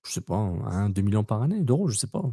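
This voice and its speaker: Man, soccer podcast co-host, blunt and repetitive, dark mellow tone. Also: lowish voice, big pitch swings, quick pace, creaky, breathy edge, no room sound. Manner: blunt, repeats himself, mixes in English words. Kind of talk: casual soccer podcast chat.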